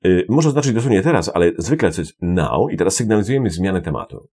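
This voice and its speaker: A very deep-voiced man with a husky, breathy edge teaches English phrases in a lively, animated way. He explains casually, repeating words and leaning on fillers. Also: fast. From Poland. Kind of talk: online language lesson explaining phrases.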